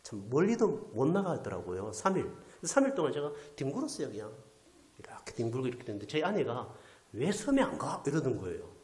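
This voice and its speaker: A male pastor with a delivers an animated storytelling sermon, his pitch swinging widely as he acts out the people he quotes. At times he sinks almost to a whisper. The sound rings in an echoey church hall. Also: fast talker. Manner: animated storyteller, acting out quoted voices, drops to near whisper. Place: church sanctuary.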